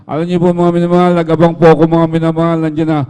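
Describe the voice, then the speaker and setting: A Filipino-accented man delivers a rapid church testimony in a flat, level tone with a warm, smooth voice. He breaks his story into short phrases and keeps calling the listeners "beloved". The sound rings out with the long reverb of a hall. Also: fairly high pitch. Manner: addresses listeners constantly as "beloved" between phrases. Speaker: church member giving testimony. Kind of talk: spoken testimony at a prayer service.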